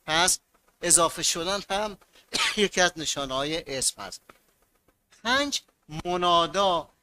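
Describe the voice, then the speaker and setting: A man's voice: sits high, pushed and bright. A man teaching a grammar lesson to students, repeating key words and asking them to fill in blanks.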